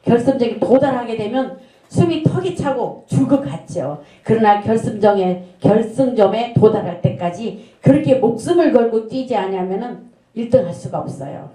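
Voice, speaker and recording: The speaker is a middle-aged woman pastor giving a sincere sermon, full of storytelling and rhetorical questions. Her dark-toned voice sits on the high side, with lively intonation at a normal speed. The church sanctuary gives the recording an echo.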